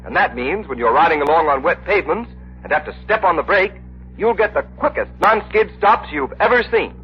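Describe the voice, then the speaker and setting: A man's voice: a little high, lively intonation, a little fast, slight background noise. A male radio announcer reading in the persuasive, emphatic style of 1930s radio. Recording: dull old radio broadcast.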